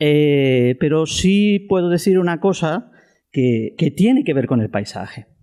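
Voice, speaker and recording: With a dark, mellow tone and fairly high pitch, a man speaks at a very slow pace using very wide pitch swings. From Catalonia, Spain. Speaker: geographer, professor. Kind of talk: conference lecture. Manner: hesitant, many fillers.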